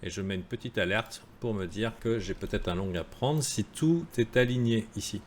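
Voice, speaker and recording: Low-ish guy doing a live crypto chart stream, chatty, jokey, lots of euh. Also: moderate pace. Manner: casual, joking, many fillers. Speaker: crypto trading analyst. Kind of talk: live-streamed market analysis.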